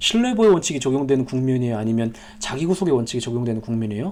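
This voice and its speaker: Speaking at a very fast pace, a man sounds animated, his pitch swinging very widely. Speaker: administrative law lecturer. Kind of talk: lecture.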